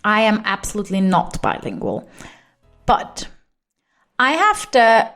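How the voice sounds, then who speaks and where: A woman's voice: mid-range voice, huge pitch swings, unhurried, fairly bright tone, faint music behind. A woman from Switzerland, Swiss German her first language, speaking English with a Swiss German accent as she hosts a solo podcast in a chatty, rambling way, often correcting herself mid-sentence. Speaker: podcast host.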